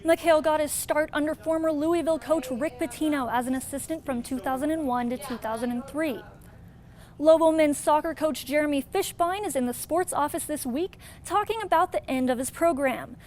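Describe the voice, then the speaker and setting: A woman's voice: high voice, moderate pace, a little mellow. A woman with an American accent reading a scripted sports newscast as the anchor.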